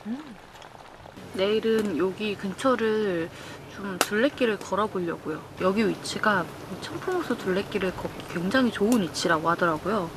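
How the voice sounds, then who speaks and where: A woman's voice: mid-range voice, moderate pace, noisy background. A woman chatting casually as a solo camping vlogger, half to herself and half to viewers, in an informal way. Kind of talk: casual vlog chat. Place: campsite, outdoors and in a tent.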